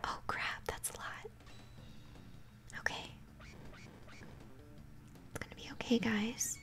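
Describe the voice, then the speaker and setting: Slow whispering young woman, ASMR gaming. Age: young adult. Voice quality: whispered, breathy. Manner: gentle, unhurried murmuring. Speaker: game streamer. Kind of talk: ASMR game playthrough commentary. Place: small indoor room at home. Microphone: close microphone. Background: game music.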